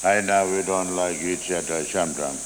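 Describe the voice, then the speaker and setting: An older man, an Aboriginal elder, telling of the Dreaming in halting, plain English with short phrases. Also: low voice, fairly even intonation, in a large hall, slight background noise, rough recording. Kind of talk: slow recorded testimony.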